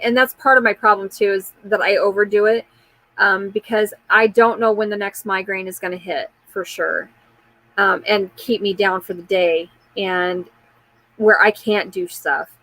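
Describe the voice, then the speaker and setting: A woman's voice: mid-range voice, steady tone, moderate pace, fairly bright tone, dry recording, low-quality recording. A woman in her forties hosting a casual live chat, talking candidly in a rambling way and answering viewer comments, with frequent fillers and restarts. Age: 40s.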